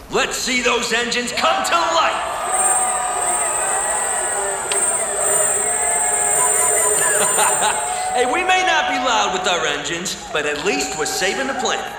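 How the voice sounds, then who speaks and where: Far off in a big echoing space over a noisy crowd, a brazen scooter-race emcee. He pitches his voice high and pours out bombastic, charming showman patter. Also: pushed and bright, full character voice. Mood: rousing. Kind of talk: acted audio drama, race emcee speech. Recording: echoey, distant announcer over noisy crowd.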